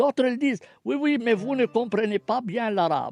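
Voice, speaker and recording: A man's high-pitched voice with a slight Swiss French accent at a moderate pace, dry and close with no echo, on a very clean recording with a silent background. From Palestine. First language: Arabic (speaking French). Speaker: law professor and Quran scholar. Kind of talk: interview.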